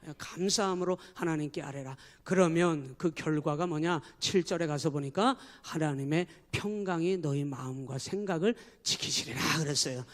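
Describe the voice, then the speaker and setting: High-voiced male pastor preaching emphatically. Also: normal speed, hardly any pauses. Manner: emphatic preaching, addressing the congregation constantly. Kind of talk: sermon. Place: church.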